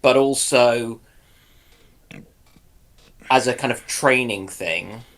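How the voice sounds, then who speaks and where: A man's voice: medium pitch, slow, fairly bright tone. A man chatting casually as a panelist, tentative and searching for his words as he makes his point. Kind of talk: casual discussion.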